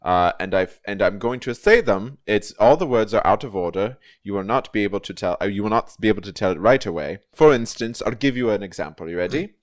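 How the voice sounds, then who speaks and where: A man's voice: on the low side, lively intonation, a little fast, few pauses, no room sound, voice pushed down, close to an everyday voice. A man putting on the giddy mandatory fun commissioner. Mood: giddy showman. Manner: exaggerated, giggly, fumbling showman. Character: pompous mandatory fun commissioner man, German-like put-on accent.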